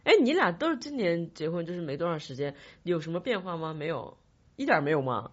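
Husky woman podcast host, really animated pitch, teasing little asides, slightly dull recording. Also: fast talker. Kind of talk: casual chat, prompting and commenting.

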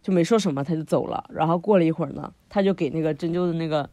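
A woman co-hosting a podcast, telling a long personal story in a lively way, laughing often and using lots of fillers. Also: sits low, rapid-fire, dry recording. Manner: animated, frequent laughter, many fillers. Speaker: podcast co-host. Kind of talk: casual storytelling chat.

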